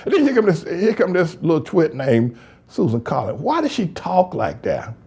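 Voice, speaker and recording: A pastor hosting a news blog, giving fiery, mocking, rambling biblical commentary on politics. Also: male voice, a little high, huge pitch swings, a little slow, darkish tone, slightly rough.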